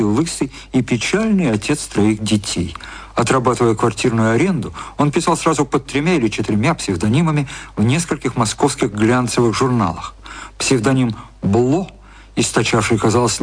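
A man narrating an audio drama in a scripted literary style, with a slightly husky voice. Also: mid-range voice. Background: music.

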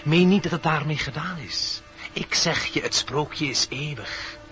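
A man plays a solemn, wise stag who serves as oracle of old dreams, chanting cryptic poetic lines in a radio drama. His fairly high, pushed, bright voice moves with lively intonation at an unhurried pace over faint music, the mood solemn and foreboding, on a dull vintage radio recording.

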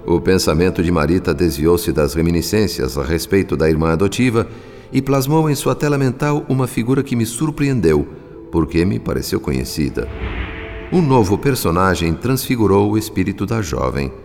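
A reflective male spirit analyst narrating a radio drama in a very deep, measured voice. His delivery is solemn and literary, set in a long reverb with music underneath. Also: sing-song, darkish tone.

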